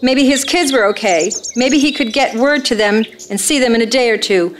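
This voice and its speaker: A woman's voice: a little high, normal speed, slight background noise. A woman reading scripted radio play narration on stage in a dramatic storytelling manner. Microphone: stand microphone.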